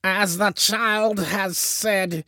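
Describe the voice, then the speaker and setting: A man's voice: high-pitched, steady tone, very slow, bright, forceful tone, no echo, studio quality, voice pushed up, exaggerated voice. A man voicing a regal female witch from a storybook, intoning in a richly foreboding, purring manner.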